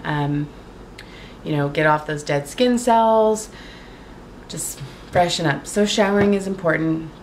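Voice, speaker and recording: A woman vlogging casually to camera at home, chatty and full of fillers, her voice a little raspy from a cold. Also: low-pitched, measured pace, a little hiss or hum. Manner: chatty, lots of fillers and likes. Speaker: beauty vlogger. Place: home, indoors.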